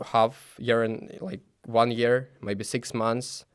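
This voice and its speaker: Slow, measured young man, halting English. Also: mid-range voice, little pitch movement, clean tone, dry recording, clean studio sound. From Belarus. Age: young adult. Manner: halting non-native English with many fillers. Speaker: student interviewee. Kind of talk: casual interview answers.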